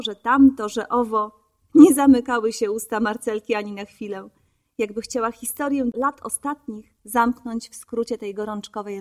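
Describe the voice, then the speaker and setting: A woman reading a first-person story in a gentle, reflective narrating style. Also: fairly high pitch. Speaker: audiobook narrator.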